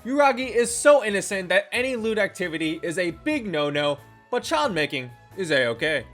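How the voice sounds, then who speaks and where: A game reviewer narrating a scripted video in an expressive, tongue-in-cheek way. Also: medium pitch, moderate pace. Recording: voice-over with faint music underneath. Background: faint background music.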